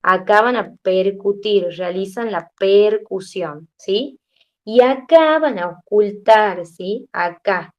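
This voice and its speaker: A young adult woman teaching a class, tired, explaining step by step and often checking in with her students. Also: medium pitch. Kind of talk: classroom lecture.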